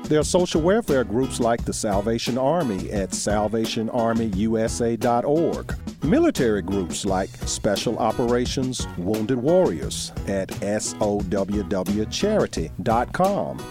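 A man hosting a live Christian talk radio program, excitable and laughing often, with many fillers. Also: lowish voice, unhurried, music in the background. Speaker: radio host. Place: radio studio.

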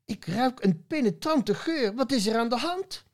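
A man's voice: very high voice, expressive, measured pace, voice pushed up, full character voice. A man in his sixties playing a fretful older male pastor in a rhyming poem. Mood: worried. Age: 60s. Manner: theatrical, lamenting recital.

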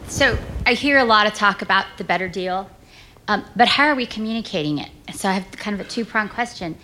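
A woman's voice: medium pitch, animated, brisk, sharp tone. A woman asking a question from the audience at a live event. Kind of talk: question from the floor. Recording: clearly noisy live room pickup.

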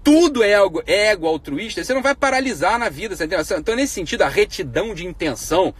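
A man's voice: high-pitched, animated, fast, breathy edge. A man hosting a live stream, giving a blunt, profane monologue on ethics full of rhetorical questions. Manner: grows heated and emphatic.

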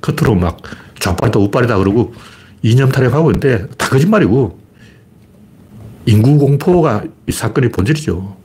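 A man's voice: mid-range voice, animated, moderate pace, mellow, a little hiss or hum. A middle-aged man hosting a solo political commentary livestream, talking bluntly and colloquially and answering his own rhetorical questions. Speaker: livestream host.

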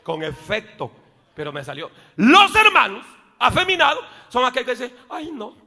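A male pastor preaching a sermon in church, rising to shouts and dropping into joking asides. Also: extremely high pitch, wildly swooping pitch, moderate pace. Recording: long reverb of a church hall.

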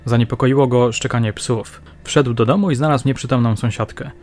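A man's voice: mid-range voice, fairly quick, a little mellow, close to an everyday voice. A man voicing a tough, sardonic female police officer who smokes, in an audiobook. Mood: dry.

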